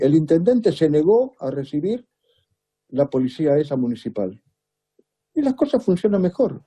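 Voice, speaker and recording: A man's voice: sits high, dark tone, slightly rough. A man from Buenos Aires with a Rioplatense accent, giving emphatic, rhetorical political commentary as an interview guest. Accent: Rioplatense Spanish. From Buenos Aires, Argentina. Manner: emphatic, rhetorical, repeats "¿es cierto?".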